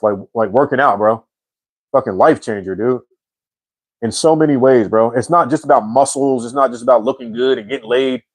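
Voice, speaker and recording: Man, 40s, casual live-chat host, mid-pitched, slangy and relaxed, dry sound. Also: no echo. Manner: slangy and relaxed, says bro and man a lot; reads viewer comments aloud and answers.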